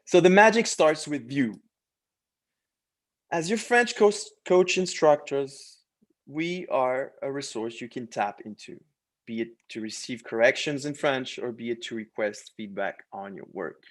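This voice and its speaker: A man's voice: medium pitch, expressive, measured pace. A man working as a language coach, presenting a course in a promotional, partly read-out style with short, emphatic phrases.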